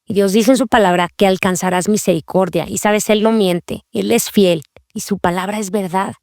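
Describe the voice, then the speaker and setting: A woman's voice: medium pitch, steady tone, moderate pace, darkish tone, no room sound, studio quality. A woman hosting a Christian devotional podcast, speaking earnestly and confessionally and repeating key phrases. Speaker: podcast host.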